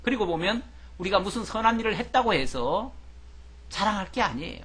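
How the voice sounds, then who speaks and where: A male pastor delivers a Bible sermon with a high, bright voice that swings widely in pitch. His tone is a little husky, and he keeps it conversational, posing rhetorical questions and telling stories to make his points. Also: animated, fairly quick. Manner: tells anecdotes to illustrate points.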